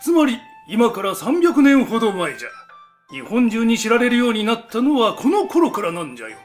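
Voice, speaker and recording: A man's voice: very high-pitched, wildly swooping pitch, a little fast, faint music behind, heavily acted. A man voicing a proud, doting old heavenly emperor who explains things in old-fashioned elder's speech for an educational story. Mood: lordly, explaining. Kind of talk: scripted educational story narration.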